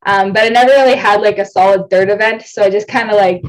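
The audio is poor as a young Ontario athlete, speaking fast with a medium pitch and fairly even intonation, guests on a casual video-call interview. She comes across as chatty and self-deprecating, rambling and laughing frequently.

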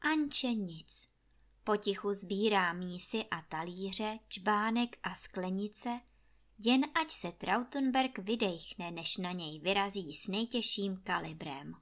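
Woman reading a folksy fairy tale. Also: medium pitch. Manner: lively, folksy storytelling. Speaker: storyteller.

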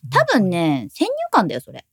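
A woman's voice: on the low side, huge pitch swings, moderate pace, dry recording, studio quality. A woman co-hosting a casual live-streamed podcast, chatting upbeat and reading out viewer comments. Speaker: podcast co-host. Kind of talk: casual chat. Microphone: studio mic, live-streamed recording.

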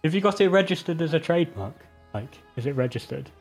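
A man co-hosting a podcast in casual chat, teasing the others with quick short interjections. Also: fairly high pitch, animated, husky, soft background music. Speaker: podcast co-host.

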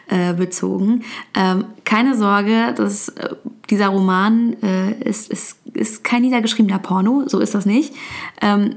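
Hesitant young woman with a creaky voice. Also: mid-range voice, a little mellow. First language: Turkish. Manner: hesitant, many fillers and restarts. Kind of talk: casual talk about a book.

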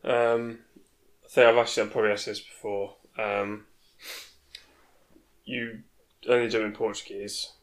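A man's voice: on the low side, level tone, moderate pace, low-quality recording. A man interviewing a friend, hesitant, with many short agreeing yeahs. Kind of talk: casual interview chat.

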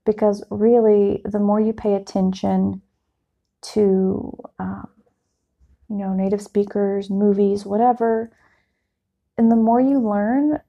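A woman's voice: medium pitch, flat delivery, slow pace, vocal fry, long pauses, muffled recording. A woman hosting an English lesson podcast in a patient, reassuring teacher voice, explaining things informally in simple words. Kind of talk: explanatory language lesson, unscripted.

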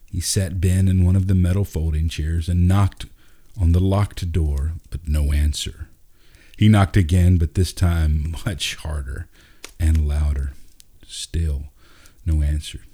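A man with a husky voice narrating a scripted story as a storyteller. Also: sits low, fairly even intonation, slow, warm tone.

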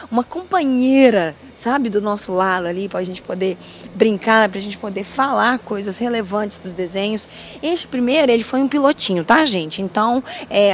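A Brazilian woman hosting a podcast in a casual, chatty way, with a grating, cracked voice and a loud, exuberant, slangy manner. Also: medium pitch, slight background noise. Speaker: podcast host.

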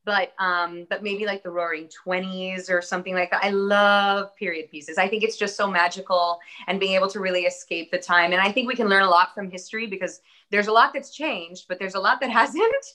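A woman's voice: medium pitch, brisk, hardly any pauses, pushed and bright. A woman in her early thirties, an actress and interview guest, born in the US with Spanish as her first language, talking in a casual, earnest, optimistic way with frequent "um"s. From born in Atlanta, Georgia, US. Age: early 30s. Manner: upbeat, earnest, lots of "um" and "I think".

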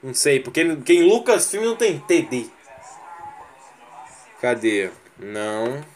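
This livestream host, a Brazilian Portuguese-accented man, rants casually and with plenty of profanity, using mimicry and sound effects to mock scenes. He speaks slowly in a sing-song, mid-range voice with a darkish tone. There's a slight hiss or hum.

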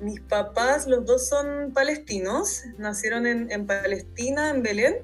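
A young Chilean woman tells her own story in a casual interview. Her voice is somewhat high and her speech is informal and conversational. There is light music in the recording. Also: a little slow. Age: 20s. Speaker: podcast guest, speech therapist.

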